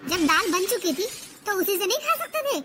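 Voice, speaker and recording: Woman doing a super high shrill young wife, always snapping, cartoon, hissy mic noise. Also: sing-song, moderate pace. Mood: scolding. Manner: scolding, high-pitched and shrill. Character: sharp-tongued young wife, quick to anger. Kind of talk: animated cartoon voice acting. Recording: noisy home recording.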